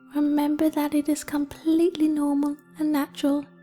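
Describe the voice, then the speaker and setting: Music plays in the background as a woman speaks in a high voice with ordinary pitch variation. Her tone is calm and soothing. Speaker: meditation guide. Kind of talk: guided meditation. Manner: calm, slow, soothing.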